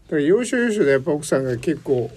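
A man's voice: on the high side, big pitch swings, rapid-fire, a little mellow, a little hiss or hum. A man hosting a radio interview, asking questions and nodding along with short replies. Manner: attentive, frequent short backchannels. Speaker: show host.

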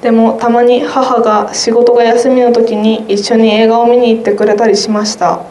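A woman's voice: a little high, little pitch movement, normal speed, mellow. A teenage girl, a student guest, reading her own essay aloud in a careful, earnest way. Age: teens. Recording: roomy sound with faint noise.

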